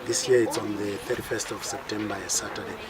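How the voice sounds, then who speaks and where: A man's voice: lowish voice, steady tone, fast. A man gives an outdoor product demonstration, steadily listing nutrients and uses. He is picked up from a distance, and a crowd murmurs all around. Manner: explanatory, lists nutrients. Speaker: exhibitor presenting food products.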